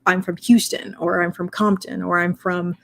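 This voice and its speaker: Young woman, lowish flat voice, loose chatty discussion style. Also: moderate pace, vocal fry. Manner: rambling, many fillers and restarts. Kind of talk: casual discussion.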